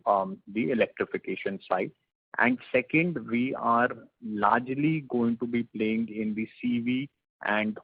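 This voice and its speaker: A man with a low, husky voice comes through a narrow phone line with very little room sound. He talks like an executive on an investor call, giving measured, formal explanations. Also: no room sound. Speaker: company executive. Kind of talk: earnings call answers, business explanation.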